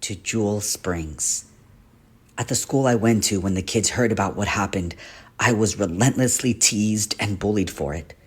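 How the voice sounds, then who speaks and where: A man acting a husky, earnest, haunted guardian. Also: lowish voice, moderate pace. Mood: somber, recounting. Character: gentle guardian teacher, male shapeshifter haunted by a painful past. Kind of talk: dramatic character monologue for a voice reel.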